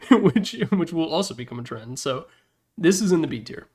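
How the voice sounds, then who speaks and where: A man's voice: fairly high pitch, animated, normal speed, darkish tone. A man giving casual, opinionated video game commentary as a presenter, speaking informally with slangy emphasis. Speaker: presenter ranking game announcer packs.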